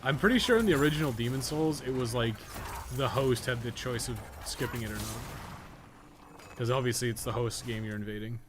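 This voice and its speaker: Male game streamer, mid-pitched, casual and sweary, muttering play-by-play with noticeable background noise. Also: moderate pace. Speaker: game streamer, podcast host. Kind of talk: casual live gameplay commentary.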